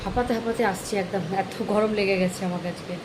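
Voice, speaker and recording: A woman chatting to viewers in a casual daily vlog, speaking softly because of a sore throat. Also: mid-range voice, fairly even intonation, fast. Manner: chatty, addresses viewers directly. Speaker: vlogger. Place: home and outdoors, moving around. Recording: noisy phone recording.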